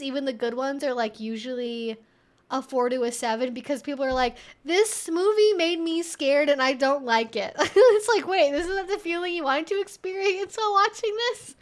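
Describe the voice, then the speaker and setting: A young woman hosting a livestream, chatting in an informal, rambling way as she answers viewer comments. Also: sits high. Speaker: livestream host.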